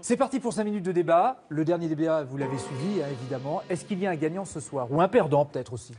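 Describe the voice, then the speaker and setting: A man's voice: a little high, lively intonation, fast talker, over music. A man with a standard French accent from France, presenting live news, headlines and a press review.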